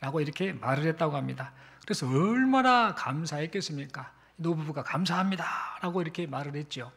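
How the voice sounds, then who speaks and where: A male pastor preaches a sermon with a high voice. He tells a story and asks rhetorical questions as he goes. His delivery swings widely in pitch and stays animated throughout. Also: a little fast, gravelly. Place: church sanctuary.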